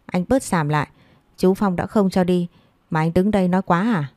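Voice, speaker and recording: A sharp-tongued young woman fires quick retorts at her boyfriend, as a woman reader plays her. Her voice is mellow and a little low, close and dry on the recording. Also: no room sound, natural voice. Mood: sassy.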